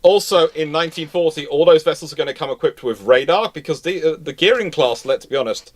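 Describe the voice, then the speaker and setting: A man's voice: fairly high pitch, brisk, dry recording. A man hosting a live history panel, explaining off the cuff and emphatically repeating phrases for stress. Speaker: host of a live naval history question panel. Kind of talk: off-the-cuff expert commentary in a live discussion.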